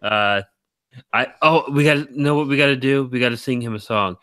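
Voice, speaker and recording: A man hosting a live stream, talking in a rambling, teasing way with a deep baritone voice, very tired. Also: a little fast, sharp tone, clear, resonant tone, no room sound. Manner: rambling, teasing, laughs often. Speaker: stream host. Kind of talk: casual chat.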